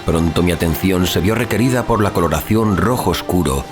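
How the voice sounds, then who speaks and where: An actor playing a grave, rational, educated traveler telling his story in solemn, measured, formal literary narration for an audio drama. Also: deep voice, lightly acted. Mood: solemn, reflective. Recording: music playing behind the voice. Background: background music.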